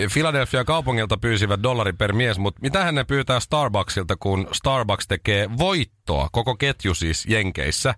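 A man with an ordinary speaking voice talks at a fairly low pitch with lively intonation. His loudness is very even, and the sound is dry and close with no echo. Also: moderate pace. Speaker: radio host. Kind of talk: casual chat. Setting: studio.

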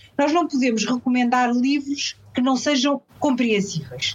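Her voice somewhat breathy and fairly high, a woman speaks at a fairly slow pace. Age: 70s. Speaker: children's book author. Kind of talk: radio interview.

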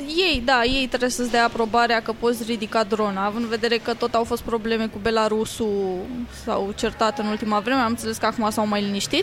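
This woman's fairly high voice moves at a fairly quick pace with fairly even intonation while noticeable background noise carries on behind her. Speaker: photographer. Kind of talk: casual chat.

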